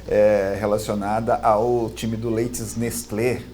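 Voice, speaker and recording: A man's voice: on the low side, little pitch movement, slow pace, mellow. A man with a Brazilian accent, interviewing in a conversational way as the host.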